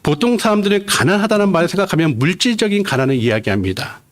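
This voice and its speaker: A man's voice: high voice, lively intonation, fast. A middle-aged man, a guest pastor, preaching a sermon that explains words step by step and asks the listeners questions.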